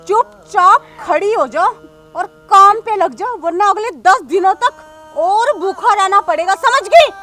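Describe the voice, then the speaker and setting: A woman's voice: extremely high pitch, expressive, slow, a bit bright, faint music behind, full character voice. An actress playing a harsh stepmother in a short film drama, who scolds her stepdaughter and later repents in tears. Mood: furious. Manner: harsh scolding, then tearful remorse.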